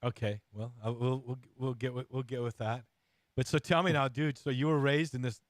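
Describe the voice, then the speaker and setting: A man hosting a casual interview, informal and bantering, with halting phrasing. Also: mid-range voice, fairly even intonation, no room sound. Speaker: interview host. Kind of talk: casual, jokey chat.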